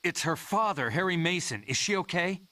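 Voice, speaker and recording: A man's voice: high voice, expressive, moderate pace, pushed and bright. A man voice-acting a confused, worried father in a video game cutscene, in a naturalistic style. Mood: anxious. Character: confused, worried father searching for his daughter. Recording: game cutscene audio, faint noise.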